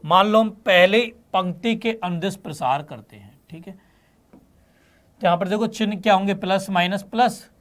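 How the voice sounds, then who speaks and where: A man's voice: high voice, fairly bright tone. A man teaching maths to students, explaining each step patiently and often checking that they follow. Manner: addresses students as beta and bachche, frequent check-ins. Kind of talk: classroom lesson explaining solutions step by step.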